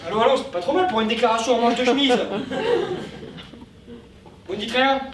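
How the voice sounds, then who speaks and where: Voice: mid-range voice, steady tone, brisk, distant mic, a crowd in the background, close to an everyday voice. A young actor playing an ardent, hot-headed male suitor in a stage comedy, speaking in passionate declamation. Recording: roomy stage from afar, audience audible.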